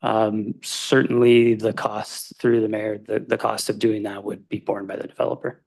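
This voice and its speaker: A man speaks as a planning consultant before a council, his voice low, deeply gravelly and husky. He answers formally and politely through the chair, pausing with hesitant fillers as he explains. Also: flat delivery, a little mellow, poor audio. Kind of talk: answering questions at a council meeting.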